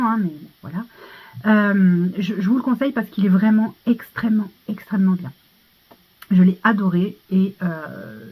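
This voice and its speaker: A woman with a French accent chatting casually about her monthly favourites, full of fillers and restarts. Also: medium pitch. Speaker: vlogger reviewing monthly favourites. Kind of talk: casual chat. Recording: tinny phone-like sound.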